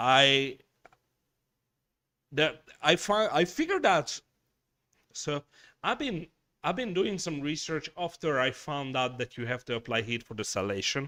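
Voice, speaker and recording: In a very clean recording with a silent background, a man with a Hungarian accent talks at a fairly slow pace, his fairly high pitch carrying a bright, sharp tone and lively intonation. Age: 30s. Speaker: woodworking craft youtuber. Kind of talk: casual live stream chat. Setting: workshop live stream. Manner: halting, stalls for words.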